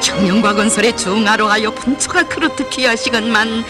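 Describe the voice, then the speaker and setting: This North Korean-accented man has a high-pitched voice and talks a little fast as he narrates a propaganda documentary over background music. He declaims in a solemn, reverent, emotional style.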